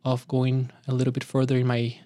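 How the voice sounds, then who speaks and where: A man's voice: medium pitch, completely flat delivery, dark tone, no echo. Colombian-born man, middle-aged, reflective interview guest, dry close mic. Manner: thoughtful, halting with many fillers. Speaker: guest, orchestra director. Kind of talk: radio interview.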